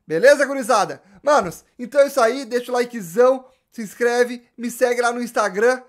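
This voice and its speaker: Casting: young football vlogger, very high voice, excited and slangy, talks with his hands. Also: a little fast. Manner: animated, gesturing, slangy, frequent restarts. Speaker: football YouTuber. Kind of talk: casual fan commentary to camera. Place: small indoor room with gaming chair.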